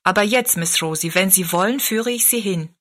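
Earnest storybook boy helper, deferential and direct, bright tone, read by a woman. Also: mid-range voice, moderate pace, close to an everyday voice. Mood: earnest, helpful. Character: helpful, deferential lad at a travelling fair. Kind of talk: storybook narration.

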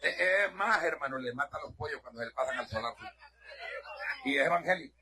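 A middle-aged man from Honduras preaching a sermon in a church. He is fervent, shouts at his peaks and drops to hushed asides. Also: fairly high pitch, a little fast. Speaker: pastor.

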